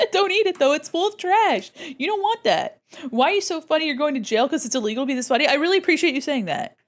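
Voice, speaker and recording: A young woman streaming her drawing live, chatting playfully with viewers and giggling often. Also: a little high. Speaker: VTuber art streamer. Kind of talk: casual live-stream chat while drawing.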